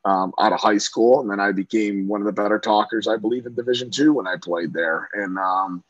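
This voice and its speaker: A man's voice: on the low side, fairly even intonation, a little fast, dry recording, dull audio. A middle-aged man from Central New York, a lacrosse coach, talking casually in an interview with lots of fillers and restarts. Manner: talkative, many fillers and restarts.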